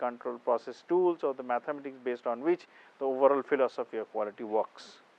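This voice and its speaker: A man talks at a very fast pace. He speaks with an Indian accent. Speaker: university professor. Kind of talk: lecture.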